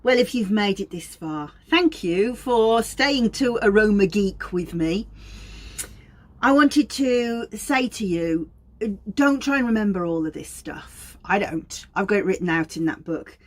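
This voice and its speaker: A woman's voice: medium pitch, lively intonation, unhurried. A woman with a Black Country accent from Wolverhampton giving an informal educational talk to viewers, explaining things in a chatty, self-deprecating way. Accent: Black Country English (Wolverhampton). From Wolverhampton, England. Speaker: aromatherapy educator and host.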